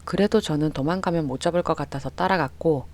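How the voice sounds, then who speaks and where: A story radio narrator reading a listener's account in a steady, mid-pitched voice. Quoted lines of dialogue come out higher and louder. The delivery stays scripted and even throughout. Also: fast talker.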